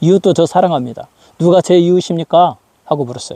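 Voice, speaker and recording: A man is speaking. His pace is very fast. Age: 60s. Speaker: preacher. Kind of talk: sermon.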